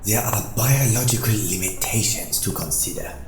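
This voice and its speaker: A man playing a measured, proud scientist in an audio drama, precise, technical and formal, in an echoing room. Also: lowish voice, close to an everyday voice. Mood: clinical. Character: measured, clinical scientist proud of his discoveries. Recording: echoey room with faint noise.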